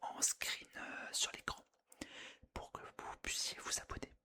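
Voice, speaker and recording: A person whispering breathily and closely into the listener's ear, narrating gameplay in a soothing ASMR style and softly repeating phrases. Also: unhurried. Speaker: gaming ASMR video creator.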